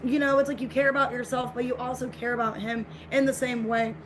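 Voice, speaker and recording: A woman's voice: on the high side, little pitch movement, brisk. A woman giving a casual tarot reading to viewers, speaking in a repetitive, reassuring way, with her voice getting scratchy. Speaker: tarot reader.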